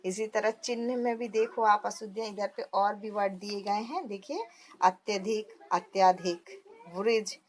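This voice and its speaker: A woman's voice: medium pitch, fairly even intonation, moderate pace, hardly any pauses. A woman teacher explaining a textbook lesson patiently, often asking the listener questions as she goes.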